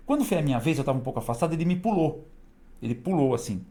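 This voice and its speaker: A man tells stories as a guest in an animated way, laughing now and then. He talks very fast. His voice sits a little high for a man. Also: slight background noise. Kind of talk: casual storytelling.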